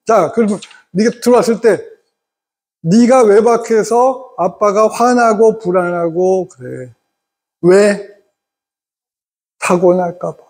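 A middle-aged man lecturing parents in an animated way and having the audience repeat phrases after him. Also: sits high, takes it slowly, long pauses, husky.

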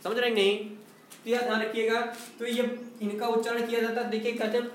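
A man's voice: very high-pitched, flat delivery, fast talker, roomy sound, slight background noise. A male teacher with a North Indian accent gives a classroom lecture at a board, repeating questions to the class and asking whether they have understood. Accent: North Indian, Uttar Pradesh.

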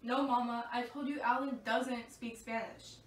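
An actress reading a daughter's part and stage directions from a script, off camera. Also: female voice, a little high, fairly even intonation, normal speed, lightly acted. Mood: matter-of-fact. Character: young-adult daughter introducing boyfriend, plus stage directions. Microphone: off camera, away from mic. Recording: echoey room, distant mic, faint noise.

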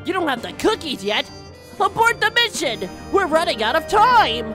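A woman's voice: very high voice, very animated, moderate pace, over music. A woman voicing an anxious, brainy little turtle boy in a comic fan dub, fretful, urgent and bookish. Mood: panicked.

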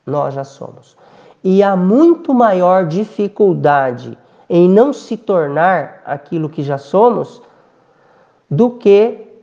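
A man giving a spiritist lecture, speaking slowly and reflectively, with frequent hesitant fillers between phrases. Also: high-pitched, lively intonation, vocal fry, warm tone, muffled recording.

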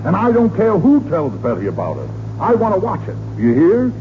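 A man's voice: high-pitched, huge pitch swings, a little fast. An actor playing an exasperated middle-aged suburban father in a 1940s radio comedy, blustering with long-suffering sarcasm. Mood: irritated, insistent. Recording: muffled, noisy 1940s radio recording.

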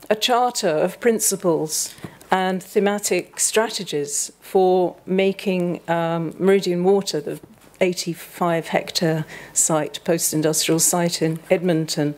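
A woman in her forties giving a measured, academic conference talk at a podium microphone in an auditorium, with frequent ums and self-corrections. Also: lowish voice, fairly even intonation, darkish tone. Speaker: conference speaker. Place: auditorium stage.

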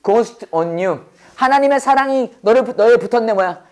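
A hoarse English teacher leads a brisk call-and-response drill, saying each prompt twice and having the class repeat it. Her voice sits in the mid-range and sounds animated.

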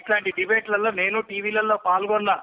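A man who takes over a heated phone call, trying to calm things down and asking pointed questions. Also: high-pitched, fast. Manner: tries to calm and redirect, asks pointed questions. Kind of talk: phone argument. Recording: tinny phone line.

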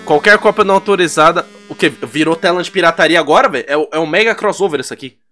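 A young man with a Brazilian Portuguese accent giving excitable, profane let's play commentary, yelling at the game as he plays. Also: fairly high pitch, rapid-fire, soft background music. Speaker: gaming YouTuber.

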